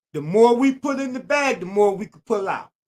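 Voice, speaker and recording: This man speaks with ordinary pitch variation. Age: 60s. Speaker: online show host. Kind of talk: livestream monologue. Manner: repetitive, halting with fillers.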